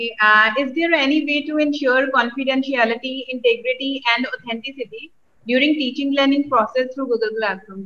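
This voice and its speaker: A woman projects her raised voice at a high pitch with ordinary pitch variation. She talks at a fairly quick pace over light background noise. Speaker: webinar moderator. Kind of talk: formal moderation. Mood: polite, formal. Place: office. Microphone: video call.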